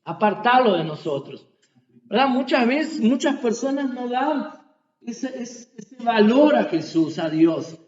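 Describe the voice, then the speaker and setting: Man preaching loud and emphatic, lots of "right?", echoey church, muffled sound. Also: very high-pitched, big pitch swings, a little slow. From Uruguay. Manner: emphatic, rhetorical questions, repeats "verdad"; cries out quoted pleas loudly. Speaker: pastor. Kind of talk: sermon. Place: church sanctuary.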